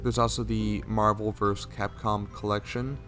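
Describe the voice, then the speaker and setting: A man co-hosting a casual chat, going through a list of games in a relaxed, offhand way with filler words. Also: fairly low pitch, normal speed, soft background music. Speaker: co-host. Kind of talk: casual chat, game news rundown.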